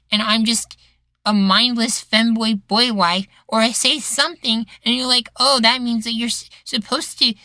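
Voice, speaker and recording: A man playing a young, submissive and loyal boywife in a roleplay, soft, hesitant and pleading. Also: very high voice, no echo, voice pushed up, full character voice. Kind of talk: roleplay ASMR acting.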